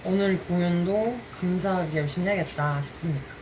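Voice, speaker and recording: Woman, Gyeongsang accent, low pitch, hesitant, thoughtful. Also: brisk, noisy background. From Ulsan, South Korea. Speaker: stage actress. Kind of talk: casual interview chat.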